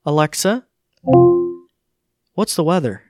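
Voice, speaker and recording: A man's voice: fairly high pitch, big pitch swings, slow, dry recording, faint music behind. A man giving a casual live tech demo, informal and hesitant, easily amused. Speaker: tech demonstrator.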